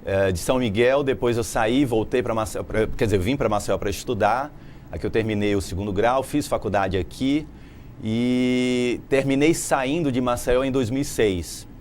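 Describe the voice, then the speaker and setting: Man being interviewed on tv, mid-pitched, talks through his ideas, bit of faint noise. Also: moderate pace, a little mellow. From Brazil. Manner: articulate, explanatory, laughs easily. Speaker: political scientist guest.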